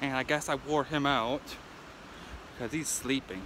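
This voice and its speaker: A man at a moderate pace, dry sound with no echo, noticeable background noise. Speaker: parent vlogger. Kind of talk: casual vlog chat. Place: open country. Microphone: phone near.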